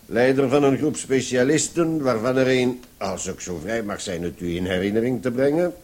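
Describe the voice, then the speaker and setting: An actor playing a cheeky, mock-polite gang leader under arrest, unbothered, in a comic radio play. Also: male voice, mid-range voice, moderate pace, darkish tone, close to an everyday voice.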